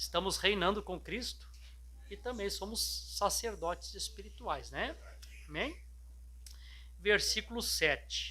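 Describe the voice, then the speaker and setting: There is audible room echo around this man's voice. He talks at a very slow pace. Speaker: preacher. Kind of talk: sermon. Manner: calm, restrained.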